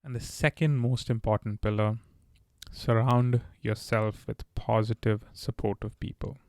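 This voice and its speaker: A man talks earnestly through his advice, now and then catching on a word and restarting. His voice has a gravelly, fry-edged texture and stays level in pitch, with little rise or fall. The sound is close and dry, with no room around it. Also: fairly even intonation, a little slow, darkish tone, no room sound. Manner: earnest, advice-giving, occasional stammers and restarts. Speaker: podcast host. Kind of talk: candid solo podcast talk.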